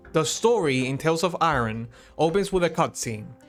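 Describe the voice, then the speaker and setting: Over music in the background, a man with a fairly high pitch speaks at a fairly slow pace, his pitch swinging very widely. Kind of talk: video game review narration.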